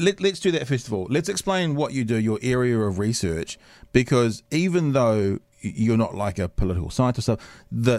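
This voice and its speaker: A man hosting a podcast from a studio, his voice low and deep the way it gets on morning radio. He chats loosely, circling back and laughing at himself. The sound is close and dry. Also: darkish tone, no room sound. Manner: chatty, rambling and self-deprecating. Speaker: podcast host. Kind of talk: casual interview chat. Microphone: studio mic.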